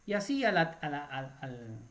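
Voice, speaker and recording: A man's voice: a little high, big pitch swings, normal speed, a bit bright. A man hosting a Catholic radio program, retelling a story in a chatty teaching style, often tacking "right?" onto his sentences and restarting phrases. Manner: adds tag questions like "right?", with restarts.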